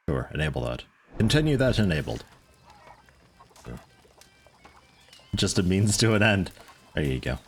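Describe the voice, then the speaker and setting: A man livestreaming a video game, chatting in a mellow, soothing, rambling way. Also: rumbling low, husky. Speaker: gaming livestreamer. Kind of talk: casual livestream commentary.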